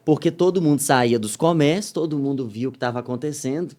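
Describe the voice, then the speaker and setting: A missionary guest from Minas Gerais, Brazil, shares his testimony on a podcast, speaking with a Minas Gerais Portuguese accent. His storytelling is animated and fast, his mid-height voice swinging from loud to hushed and back again.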